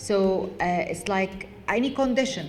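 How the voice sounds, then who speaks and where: Music plays behind a woman whose pitch varies in an ordinary way. Room echo is audible. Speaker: foundation executive giving a speech. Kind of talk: formal speech. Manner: halting with fillers.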